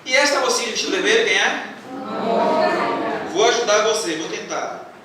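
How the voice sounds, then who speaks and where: A spiritist lecturer delivers a religious talk to a live audience in a large hall, playfully quizzing his listeners. His voice is high-pitched and moves at a normal speed. The recording is echoey and distant, with faint noise.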